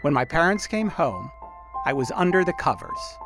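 A man's voice: on the high side, big pitch swings, normal speed, music in the background. A man hosting a podcast, telling a personal story in scripted narration. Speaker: podcast host.

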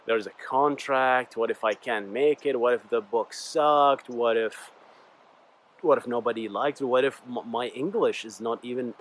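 A man's voice: mid-range voice, normal speed. Earnest rambling man, native Arabic speaker. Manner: rambling, earnest, often addresses listeners as "guys". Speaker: YouTuber and podcast host. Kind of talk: casual motivational monologue.

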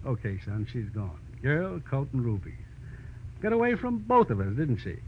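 A man's voice: mid-range voice, huge pitch swings, normal speed. Folksy, lilting old lawman. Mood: wry, amused. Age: older. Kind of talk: 1940s radio drama acting. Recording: muffled, noisy old radio recording.

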